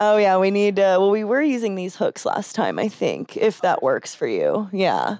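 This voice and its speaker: A woman with a Texan accent talks at a moderate pace with hardly any pauses. The background is quiet. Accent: Texan American English. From Texas. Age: 20s. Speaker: podcast host. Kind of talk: casual chat. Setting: studio.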